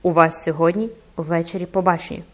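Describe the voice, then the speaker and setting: Woman voicing a ghostly cloaked man, low, cold, sepulchral, audiobook. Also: fairly even intonation, fairly quick, lightly acted. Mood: menacing.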